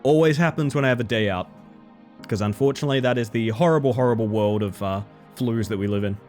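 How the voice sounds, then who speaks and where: A man streaming a video game, slightly hoarse, talking to his chat in an animated, joking way. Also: mid-range voice, fast talker, faint music behind. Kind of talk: casual live-stream chat.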